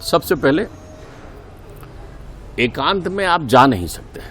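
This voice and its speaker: उपदेश देता हुआ अधेड़ पुरुष, उतार-चढ़ाव भरी आवाज़. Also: male voice, on the high side, big pitch swings, slow, fairly bright tone, a little hiss or hum. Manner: earnest, preaching, emphatic repetitions. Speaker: spiritual guest speaker. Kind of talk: spiritual discourse in a TV interview.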